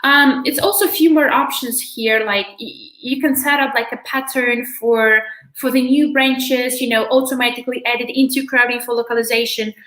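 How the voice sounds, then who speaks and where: A young woman presenting a software demo on a video call, chatty and full of "you know" fillers. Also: on the high side, steady tone, moderate pace, echoey room, poor audio. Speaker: presenter from a localization company. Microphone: video call webcam.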